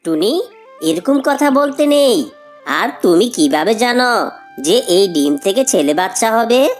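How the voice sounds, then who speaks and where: Father bird, female performer: gentle, protective, reasonable cartoon husband in a medium-pitched voice. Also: expressive, a little slow, soft background music, close to an everyday voice. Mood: reasoning. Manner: patient, mildly reproachful. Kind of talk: children's cartoon acting.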